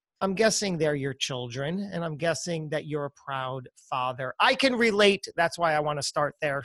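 A man with an American accent speaks in a plain, everyday voice at a fairly high pitch and moderate pace, with lively intonation, hardly any pauses, and a dry, close sound with no echo. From New Jersey, US. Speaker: podcast host. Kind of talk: casual interview chat.

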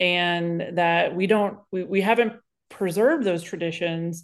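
Against a quiet background, a woman with a fairly low pitch speaks with fairly even intonation in a normal speaking voice. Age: 40s. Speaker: podcast host. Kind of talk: casual interview chat.

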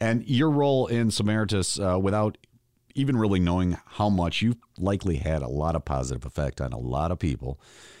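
Very deep and low, a man with a Midwestern US accent speaks at a fairly quick pace with very wide pitch swings, on a very clean recording with a silent background. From US Midwest. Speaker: radio host. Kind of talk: radio interview. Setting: studio.

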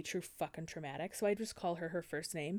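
The speaker has an American accent and a dark, mellow tone, talking at a fairly quick pace with ordinary pitch variation. The recording is very clean, with a silent background. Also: woman. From US West Coast, San Francisco Bay Area. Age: 20s. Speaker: podcast co-host. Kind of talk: casual chat.

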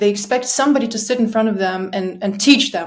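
Somewhat breathy and fairly high in pitch, a woman with a non-native accent speaks at a fairly quick pace with ordinary pitch variation. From Kazakhstan. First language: non-native English speaker. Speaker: English teacher. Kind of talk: casual chat.

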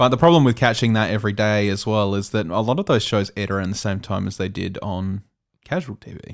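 On a very clean recording with a silent background, a man with an Australian accent talks at a very fast pace in a fairly low pitch, with ordinary pitch variation and big swings in loudness. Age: 20s. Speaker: podcast guest. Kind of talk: casual chat.

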